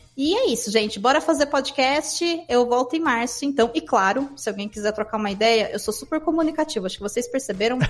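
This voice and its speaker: Over noticeable background noise, a woman speaks at a fairly quick pace with a high pitch, lively intonation and hardly any pauses. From interior of São Paulo state, Brazil (São Carlos). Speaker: podcaster and podcast producer. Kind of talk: casual interview conversation.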